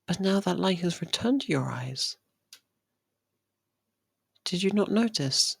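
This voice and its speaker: A performer voicing a possessive, lovestruck young faerie royal in an intimate ASMR roleplay, speaking softly and haltingly. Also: medium pitch, lively intonation, vocal fry, slightly rough, no echo, clean studio sound, full character voice. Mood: tender, concerned. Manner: hesitant, halting, soft and pleading.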